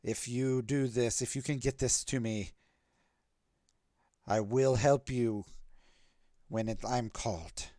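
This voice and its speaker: A man voicing a huge, menacing female black dragon who makes slow, imperious threats. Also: mid-range voice, steady tone, mellow, no room sound, clean studio sound, close to an everyday voice.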